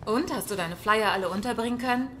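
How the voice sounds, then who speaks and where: A woman's voice: a little high, quick pace, background noise, close to an everyday voice. An actress playing a defensive woman in a domestic quarrel in an audio drama. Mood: casual.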